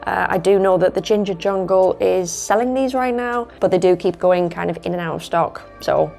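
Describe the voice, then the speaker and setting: Her voice is lowish, gravelly and dark, moving at normal speed over soft background music. She's a plant vlogger chatting to viewers from home about her plants, rambling and self-correcting as her voice gives out.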